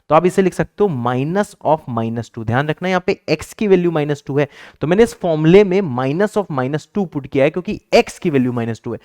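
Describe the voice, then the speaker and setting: A man's voice: mid-range voice, a little mellow, no room sound, studio quality. A male math teacher giving an exam-prep lecture, emphatic and repetitive, raising his voice to stress points and teasing his students playfully.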